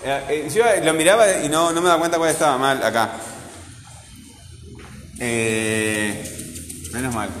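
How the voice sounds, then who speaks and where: Slow-spoken man teaching, echoey room. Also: medium pitch, a bit bright, a little hiss or hum. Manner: slow, deliberate, drawn-out syllables when sounding out words. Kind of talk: correcting a grammar lesson with students. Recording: echoey classroom with long reverb.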